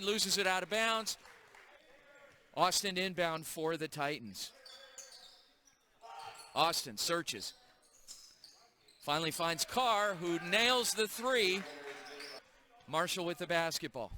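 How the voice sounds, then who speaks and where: A man calling a live high school basketball game play by play in a gym, brisk and energetic. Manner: brisk, energetic call of the action. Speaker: play-by-play announcer.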